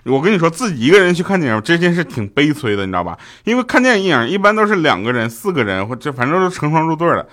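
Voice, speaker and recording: A man's voice: fairly high pitch, quick pace, few pauses. A man from China, hosting a comedy show in a joking monologue and acting out the quoted lines. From Heilongjiang, China. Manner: lively storytelling, acts out quoted lines.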